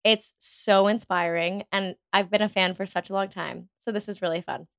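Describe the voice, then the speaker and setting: A woman hosts an upbeat podcast intro and chat, gushing with enthusiasm and saying "like" a lot while getting over a cold. Her voice is medium-pitched and a bit bright, with a steady tone and moderate pace.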